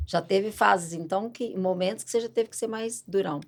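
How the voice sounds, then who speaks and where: A woman's voice: medium pitch, creaky. Woman host asking questions. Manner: halting questions with repeated words. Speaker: podcast host. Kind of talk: casual podcast interview.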